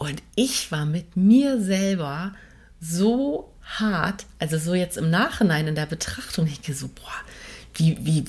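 A woman speaks fairly slowly and somewhat breathily. Her intonation is lively. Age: 40s. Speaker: podcast host and photographer. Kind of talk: casual interview chat. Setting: in person at a publisher's office.

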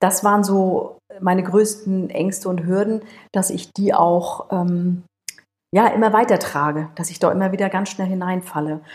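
At a moderate pace, a woman with a somewhat breathy, medium-pitched voice talks with fairly even intonation. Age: 50s. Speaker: coaching client, finance industry employee. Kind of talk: interview.

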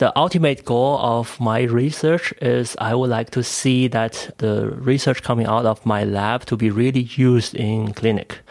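Speaking with a Chinese accent, a man keeps a moderate pace, a medium pitch, and very even loudness. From China. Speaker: robotics researcher. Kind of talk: interview, conversational. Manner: measured, hesitant with fillers.

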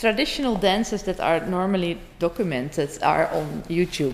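A woman with a Dutch accent speaks at a moderate pace in a fairly low voice. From Netherlands. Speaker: visual artist. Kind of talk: interview. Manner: halting.

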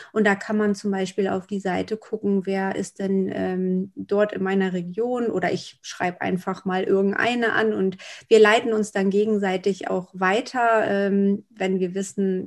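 The woman talks at a fairly slow pace in a flat monotone. The recording is very clean, with a silent background. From Hamburg, northern Germany. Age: 40s. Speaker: postpartum carer and doula. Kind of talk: interview.

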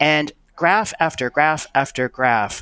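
On a very clean recording with a silent background and a dry, close sound with no echo, a man with an American accent speaks in a bright, sharp tone with ordinary pitch variation. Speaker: design professor. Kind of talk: interview.

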